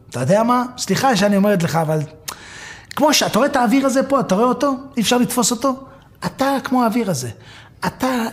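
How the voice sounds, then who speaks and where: A man voicing a foreign young woman who scolds a visitor in a mocking, blunt way, as part of a sermon story. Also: sits high.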